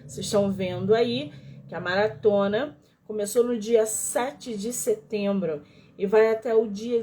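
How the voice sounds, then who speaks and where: A woman's voice: a little high, dark tone, husky. A woman from Rio with a Carioca accent, hosting a casual livestream interview with an author, chatty and full of exclamations. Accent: Carioca Brazilian Portuguese. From Rio de Janeiro, Brazil. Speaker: interview host of a literary livestream. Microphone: phone livestream.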